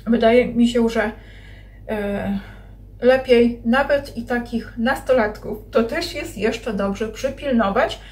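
A woman's voice: a little high, slow, darkish tone. A mother in her thirties chatting casually to camera in a family vlog, rambling and talking straight to her viewers.

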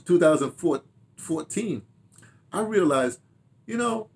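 An American man in his seventies reminiscing casually to camera in an animated, rambling way, with repeated phrases and asides. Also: high-pitched, slow pace, vocal fry. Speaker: audio dramatist and theater director telling his memoirs. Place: small home study, indoors.

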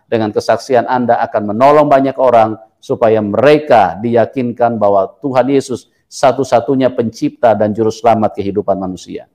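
A man's voice: medium pitch, a little mellow. A middle-aged man, hosting a testimony interview as a pastor in an exhortatory way, repeating phrases for emphasis. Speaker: host, pastor. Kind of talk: testimony interview, preacherly talk. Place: indoor room, seated, on a video call.

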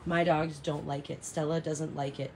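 A woman in her thirties with a raspy voice, chatting casually and dramatically to live stream viewers, repeating phrases for emphasis. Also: deep voice, flat delivery, normal speed, a little mellow. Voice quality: raspy from heavy singing. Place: open porch of a house and its garden, outdoors. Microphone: phone at arm's length. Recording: noisy outdoor phone recording.

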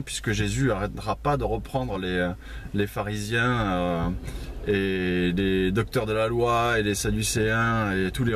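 A man's voice: fairly low pitch, slight background noise. A man giving an informal Bible teaching at a house church, conversational, with many fillers and asides. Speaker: preacher.

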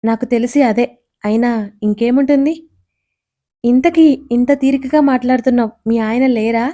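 A playful young man who teases an old friend but reassures her with care, as a woman narrator puts him on. His voice sits mellow and a little high. The tone is gentle, like an audio storybook. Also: steady tone, normal speed, highs cut off, lightly acted. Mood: teasing.

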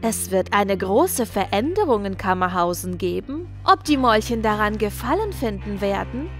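A woman's voice: medium pitch, very animated, moderate pace, a bit bright, soft background music. A woman narrating a scripted, rhyming children's story.

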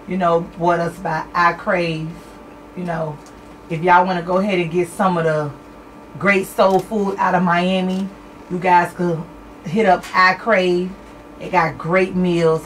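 Excited woman hosting radio. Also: fairly low pitch, recorded from a distance, slight background noise. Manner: lively, excited greetings. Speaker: radio show host. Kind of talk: live radio show, reading listener shout-outs.

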